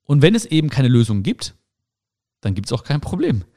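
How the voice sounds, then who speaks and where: A man's voice: mid-range voice, sing-song, moderate pace, mellow. A young adult man hosting a podcast, giving reflective advice in a casual monologue and speaking straight to the listener. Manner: reflective, talks straight to the listener, acts out little dialogues. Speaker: podcast host.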